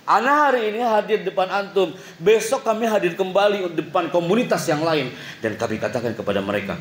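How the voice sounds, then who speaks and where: Animated man telling stories to students. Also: high-pitched, a little fast. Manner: animated storyteller, acts out quotes, swings loud and soft. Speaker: motivational speaker at a boarding school. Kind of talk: lively motivational talk to students. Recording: echoey hall with faint ambience.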